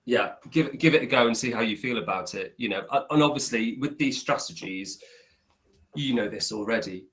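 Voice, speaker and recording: A man's voice: mid-range voice, a little fast, a bit bright. Chatty man tutoring by video call. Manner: chatty, repeats points for emphasis. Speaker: English tutor. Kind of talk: casual conversation lesson.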